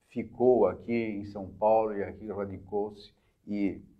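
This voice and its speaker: A man at a very slow pace, his pitch fairly low, over a quiet background. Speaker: TV show host. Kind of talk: talk show introduction. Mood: warm, jovial, laughing. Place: studio. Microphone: lapel.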